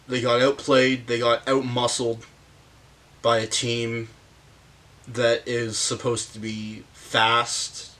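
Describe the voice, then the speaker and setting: A man with a sick, hoarse voice hosting a casual hockey game breakdown, halting with frequent fillers and pauses. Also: mid-range voice, bright, forceful tone. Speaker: hockey commentary host. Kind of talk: casual sports breakdown monologue.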